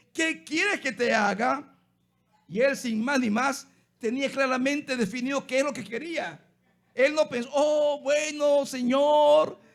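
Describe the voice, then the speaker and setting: Slow high-voiced Honduran preacher. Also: male voice, vocal fry. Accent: Honduran Spanish. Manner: preaching slowly with quotes acted out. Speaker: pastor. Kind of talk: sermon.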